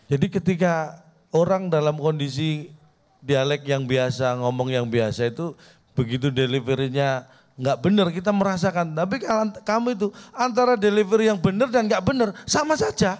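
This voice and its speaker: Male comedy judge, slightly high voice, deadpan mock-serious teasing. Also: moderate pace. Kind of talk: bantering critique on a TV comedy show. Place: TV studio.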